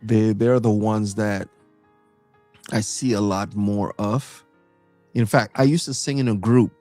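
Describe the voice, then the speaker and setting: A middle-aged man from Trinidad with a Trinidadian accent, chatting casually as co-host, animated and quick to laugh, with plenty of fillers and restarts. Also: lowish voice, dry recording, soft background music. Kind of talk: casual chat.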